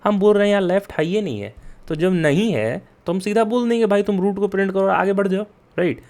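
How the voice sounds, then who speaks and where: A man's voice: high-pitched, brisk, a little mellow. Chatty young man teaching coding. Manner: mixes Hindi and English, chatty with frequent "yaar" and "theek hai?"; addresses students directly and urges them to take notes. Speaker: coding tutor. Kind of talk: casual explained lesson.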